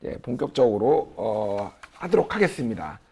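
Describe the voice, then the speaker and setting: A man's voice: on the low side, sing-song, normal speed, a little mellow, husky. A man hosting a talk show in a casual, joking way, chatty and teasing. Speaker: host of a current affairs show.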